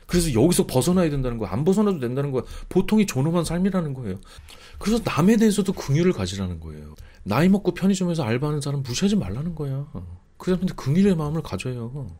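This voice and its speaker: A middle-aged man giving impassioned advice to his viewers, scolding them and mocking their complaints in whiny quoted voices. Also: a little high. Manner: animated, mock-quoting others in whiny voices, scolding. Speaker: video creator answering viewer comments.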